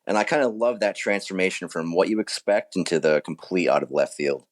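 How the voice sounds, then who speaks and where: A man's voice: low-pitched, animated, brisk. A man speaking casually as an author being interviewed, keen and reflective about his work.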